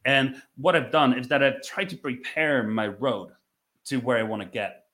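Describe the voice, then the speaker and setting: A man in his thirties from the Netherlands with a Dutch accent, telling his story conversationally as a podcast guest, in a reflective way with halting phrasing and repeated words. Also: mid-range voice, fairly bright tone. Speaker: podcast guest, business owner.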